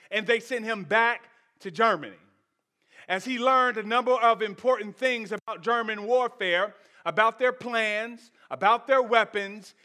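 A man preaching as a pastor, telling stories in deliberate short phrases with pauses for emphasis. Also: sits high, pushed and bright. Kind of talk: sermon with storytelling.

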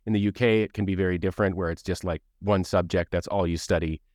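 A man's voice: deep voice, fairly even intonation, quick pace, a little mellow, no room sound, studio quality. A man from Canada hosting a podcast interview, chatting in a rambling way with many restarts. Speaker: podcast host. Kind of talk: casual interview conversation.

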